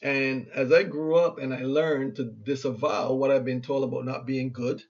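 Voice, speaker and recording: A man's voice: medium pitch, little pitch movement, normal speed. A Barbadian man in his fifties giving an earnest motivational talk as a speaker and radio host, urging listeners and repeating himself for emphasis. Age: 50s. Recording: muffled lo-fi recording.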